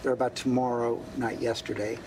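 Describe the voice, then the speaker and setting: A man's voice: mid-range voice, little pitch movement, a little fast. A man interviewing in a persistent way, pressing follow-up questions and often stammering on his first word. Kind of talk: probing television interview. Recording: noisy archive broadcast clip.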